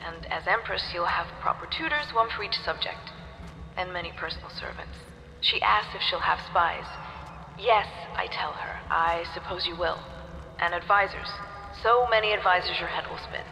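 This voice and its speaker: Gentle wistful governess, crisp bright tone with creak, video game monologue, long reverb. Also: female voice, lowish voice, moderate pace. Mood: fond, wistful. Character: tender, wistful governess caring for an orphaned girl. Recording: long reverb, faint background noise.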